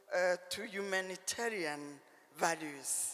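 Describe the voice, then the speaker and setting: Very slow speech from a woman over noticeable background noise. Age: 60s. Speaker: school founder and educator. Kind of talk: panel speech.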